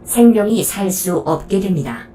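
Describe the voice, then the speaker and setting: Combat robot turned guardian , female performer: mellow, polite, measured delivery with lively intonation, audio drama, slightly distant over music. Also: mid-range voice, slight background noise, natural voice. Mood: factual, composed. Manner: formal, measured, matter-of-fact reporting.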